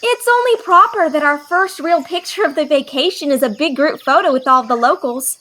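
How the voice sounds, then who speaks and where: A woman voicing a bubbly, excitable teenage girl in an audio drama, gushing and playful. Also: high-pitched, normal speed. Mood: bubbly excitement. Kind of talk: fan audio drama acting.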